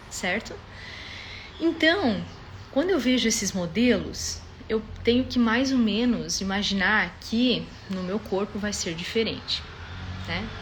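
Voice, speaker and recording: Audible room echo surrounds a woman's voice. She talks at a fairly slow pace with ordinary pitch variation. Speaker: mother giving parenting advice. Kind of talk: live stream talk. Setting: live stream on social media.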